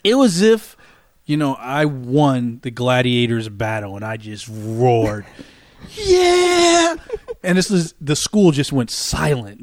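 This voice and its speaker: A middle-aged man with a slightly high voice tells a story in loose, casual chat, loud and full of laughter. The recording is close and dry, with no room sound. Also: no room sound. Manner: loud, animated, laughs often while telling stories.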